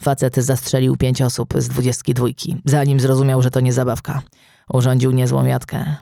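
A man's voice: medium pitch, completely flat delivery, normal speed, creaky, dark tone, no echo, lightly acted. A man reading an audiobook aloud as an older male police colleague, a gun history buff, in a dry, matter-of-fact tone.

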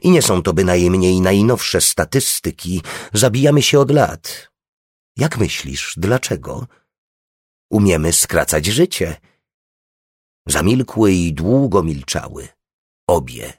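A man narrating an audiobook in a slow, measured reading voice, with a slightly husky tone. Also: low-pitched, big pitch swings, darkish tone, no room sound, studio quality.

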